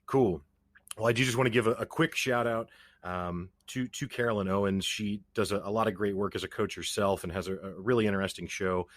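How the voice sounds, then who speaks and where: Male podcast host, low voice, dry close sound, friendly and halting with plenty of fillers. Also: steady tone, no room sound. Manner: friendly, hesitant, many ums and restarts. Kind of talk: casual interview hosting.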